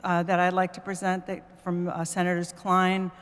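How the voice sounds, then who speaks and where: Woman, lower voice, earnest, formal, reading prepared remarks, long hall reverb. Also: completely flat delivery, normal speed. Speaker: public commenter. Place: public meeting hall.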